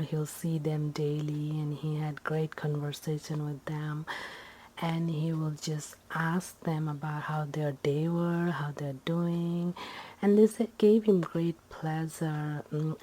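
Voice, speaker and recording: A woman telling a story in ASMR style, drifting between soft speech and whispering, in a halting, rambling way with simple wording. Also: sits low.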